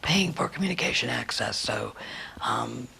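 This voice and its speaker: A woman's voice given through live interpretation in a planning meeting. She speaks in halting phrases with frequent ums. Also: extremely low pitch, animated, creaky, sharp tone, a little hiss or hum. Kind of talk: live sign language interpretation voiced aloud.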